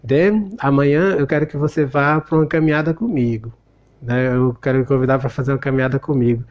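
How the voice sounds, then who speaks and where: A Brazilian man voicing a calm, serious older male mentor in a measured way, with a Brazilian Portuguese accent. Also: medium pitch, lo-fi sound, lightly acted.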